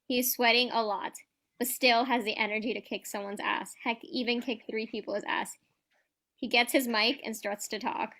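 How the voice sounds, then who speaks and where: A woman's voice: on the high side, steady tone, normal speed, bright, forceful tone. A woman reading scripted stage directions as narrator of a staged reading.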